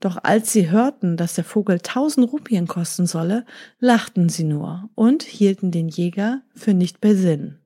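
A woman narrating a storybook tale in a calm, measured manner. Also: fairly low pitch. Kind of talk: storybook reading.

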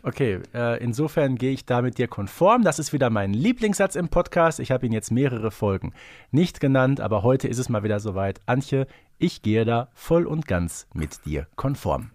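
A man co-hosting a casual fan podcast, speaking deliberately with slightly formal phrasing. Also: mid-range voice, very animated, a little mellow, dry recording, studio quality. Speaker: podcast co-host.

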